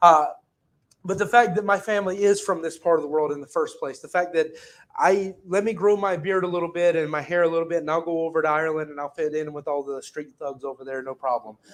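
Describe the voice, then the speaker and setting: This man speaks very fast with an American accent, his high pitch moving in ordinary variation while his loudness swings widely. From United States. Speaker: pastor. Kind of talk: sermon.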